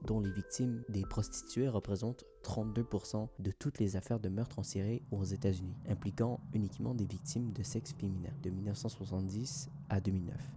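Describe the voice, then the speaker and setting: Low-voiced man narrating over prominent music. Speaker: YouTube host. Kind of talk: scripted true-mystery video narration. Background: music under the voice.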